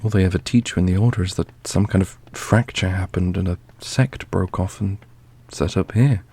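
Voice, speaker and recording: Guy doing a deep husky old captain, dry and measured, fantasy asmr drama. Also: steady tone, mellow. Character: weary male veteran captain, centuries old, dryly bantering. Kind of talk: ASMR fantasy audio roleplay.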